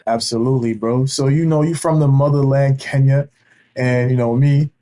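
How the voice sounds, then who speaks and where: A man's voice: medium pitch, fairly even intonation, mellow. Hype man hosting a podcast. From Haiti. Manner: hype, slangy, drawn-out. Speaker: podcast host. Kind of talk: casual interview. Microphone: video call.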